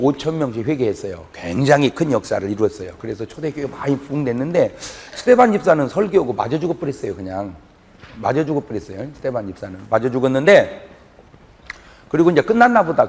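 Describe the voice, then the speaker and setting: Lively male pastor in a reverberant hall. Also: on the high side, vocal fry. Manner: lively storytelling, swings between loud emphasis and quiet asides; asks the congregation questions. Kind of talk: sermon.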